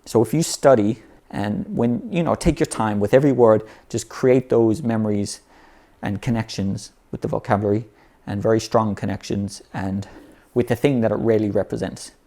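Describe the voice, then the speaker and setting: With a warm, lowish voice and a moderate pace, a man explains vocabulary learning in a casual, unscripted manner. His first language is English, and his speech is sprinkled with "you know" and restarted phrases.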